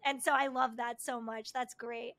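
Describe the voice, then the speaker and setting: A woman's voice: fairly high pitch, level tone, moderate pace, a bit bright. A woman hosting a podcast interview, upbeat and eager, with frequent "you know" fillers. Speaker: podcast host.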